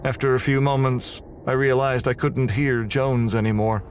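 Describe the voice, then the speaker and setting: A man playing a frightened prison inmate, giving a grim, deliberate first-person horror narration. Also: mid-range voice, fairly even intonation, slight background noise, natural voice. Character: terrified, bewildered male prison inmate recounting horror. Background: music.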